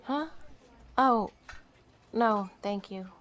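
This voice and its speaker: An actress playing a shaken, blind woman with no memory in an audio drama, speaking slowly and haltingly. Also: medium pitch, a bit bright. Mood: hesitant. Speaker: lead character and narrator of audio drama. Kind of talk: full-cast audio drama acting.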